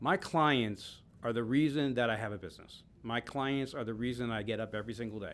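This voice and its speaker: A man speaks at a fairly quick pace and a medium pitch. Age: 60s. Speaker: accountant and judicial candidate. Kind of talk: podcast interview. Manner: halting, repeats words.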